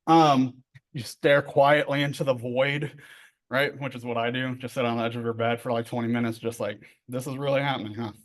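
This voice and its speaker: A middle-aged man with a relaxed drawl leads a therapy training session. He talks in an easygoing, joking way, checking in with his listeners and filling pauses as he explains ideas. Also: medium pitch. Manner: conversational, joking, many fillers and tag questions. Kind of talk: casual workshop lecture.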